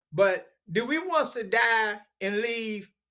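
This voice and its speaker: Using a raised, projected voice, a man speaks at a high pitch with a bright, sharp tone. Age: 70s. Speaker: community activist. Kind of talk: podcast discussion. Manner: animated.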